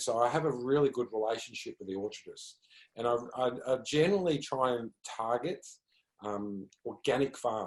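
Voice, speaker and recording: A man speaks at medium pitch with an Australian accent. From Australia, Yarra Valley, Victoria. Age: 40s. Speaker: beekeeper. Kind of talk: webinar talk. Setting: video call. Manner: casual, many fillers.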